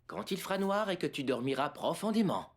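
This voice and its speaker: An actor playing a gentle, patient father in a cartoon, with a reassuring manner. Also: fairly high pitch, expressive, a little fast. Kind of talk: cartoon voice acting.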